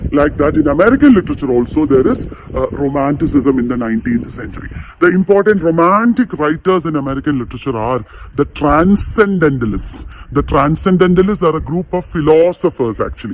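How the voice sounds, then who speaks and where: A man's normal speaking voice, fairly high in pitch, at a fairly quick pace. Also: lively intonation. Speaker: literature teacher. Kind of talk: lecture.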